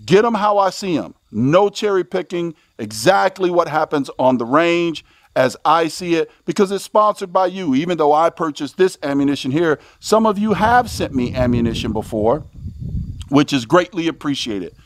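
A man's voice: fairly high pitch, animated, moderate pace, no room sound. A middle-aged American man hosting a shooting video outdoors, commenting casually to viewers in a folksy, exclamatory way. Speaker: host of a shooting range video channel. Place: outdoors at a covered shooting range.

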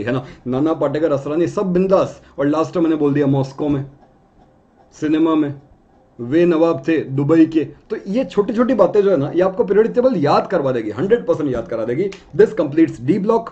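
A man's voice: a little high, darkish tone, lo-fi sound. A man teaching chemistry in a casual, joking way, often checking in with his students. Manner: jokey, chatty, frequent check-ins with students.

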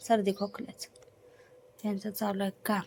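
A woman's voice: medium pitch, flat delivery, moderate pace, noisy background. A woman from Maharashtra, India, chatting casually as she works around her home. She explains each chore as she goes and drops in many little fillers. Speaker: home vlogger. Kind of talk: casual vlog narration. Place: at home, in her kitchen and yard.

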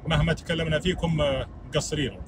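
A young man hosting a livestream from a car at night, talking fast and politely on a phone call. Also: a little high, steady tone, recorded from a distance, noisy background. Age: young adult. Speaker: livestream host. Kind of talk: casual livestream chat. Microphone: phone camera at arm's length.

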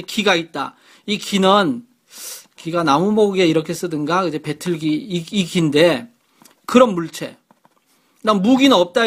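Chatty, high-voiced male science teacher. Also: a bit bright. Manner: chatty, asks rhetorical questions, repeats key words. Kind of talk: online lecture to middle schoolers.

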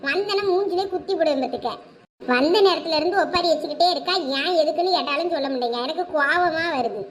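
A woman's voice: high voice, fast talker, close to an everyday voice. A woman playing a bossy but caring village elder sister, teasing and scolding in a Thoothukudi Tamil accent. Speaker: actor in a village comedy skit. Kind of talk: village comedy skit acting.

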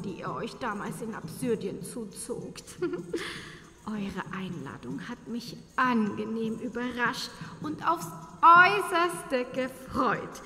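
An aristocratic countess in a comic fairy-tale audio play. She is haughty and effusively polite, drawing her words out slowly in a bright, forceful voice. The hall around her echoes. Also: on the high side, a little hiss or hum, exaggerated voice. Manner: affected, effusively courteous.

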